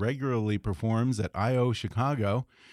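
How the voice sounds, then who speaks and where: Here is a man with an American accent and an ordinary speaking voice, medium in pitch. He speaks fairly quickly in a very clean recording with a silent background. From Texas. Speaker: podcast host. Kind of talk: interview.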